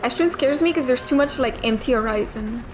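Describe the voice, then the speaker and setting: A young woman with a high-pitched voice talks a little fast while playing a video game, casually commenting, thinking aloud, and swearing now and then. It's let's play commentary with game music clearly audible behind her, plus some background noise.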